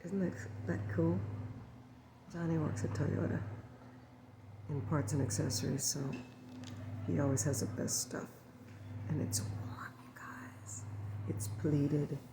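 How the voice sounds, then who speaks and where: A woman shares a personal story in a relaxed ASMR vlog, speaking softly and slipping into whispers now and then. Her voice has a gravelly edge and stays level in pitch. A steady hiss of noise runs under the recording. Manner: soft, unhurried storytelling to viewers with drifts into whispers. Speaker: ASMR channel host. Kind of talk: story-time ASMR chat. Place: sitting indoors at home.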